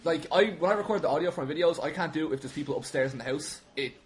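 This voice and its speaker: A young Irish man tells anecdotes as a podcast guest in an animated, self-deprecating way. He talks very quickly in a slightly high voice and swears casually. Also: a little hiss or hum. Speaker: podcast guest, wrestling commentator.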